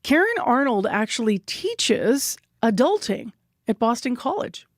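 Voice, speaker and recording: A woman's voice: on the high side, big pitch swings, unhurried, dry recording, clean studio sound. Woman hosting a morning radio show. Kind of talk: scripted news introduction.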